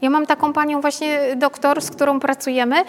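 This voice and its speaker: A woman's voice: sits high, little pitch movement, a little fast. A woman, a pedagogue, giving an informal workshop talk to a group, chatty and often checking in with her listeners through tag questions. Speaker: pedagogue leading a parenting workshop. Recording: long reverb from a hall.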